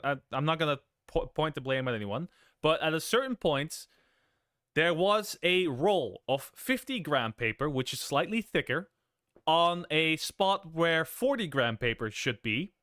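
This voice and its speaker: A young man with a fairly high, smooth voice, chatting on a livestream. He rambles, restarts, and keeps breaking off mid-story to thank viewers. The sound is dry and close. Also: expressive, a little slow, a bit bright, no room sound. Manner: rambling, self-interrupting, thanks viewers between story bits. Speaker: streamer. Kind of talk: casual livestream chat.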